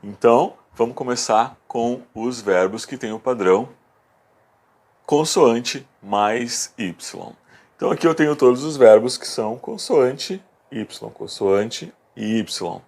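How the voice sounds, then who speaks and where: A man teaching a video lesson, explaining rules patiently and step by step, repeating key words slowly. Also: medium pitch, expressive, a little mellow. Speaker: English teacher.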